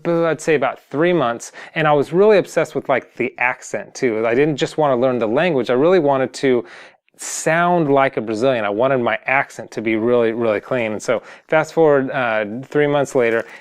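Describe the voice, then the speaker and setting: A man's voice: mid-range voice, moderate pace, clear, resonant tone. A man giving a singing lesson in an earnest, repetitive way, often restarting his sentences. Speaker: singing coach. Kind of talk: lesson to camera.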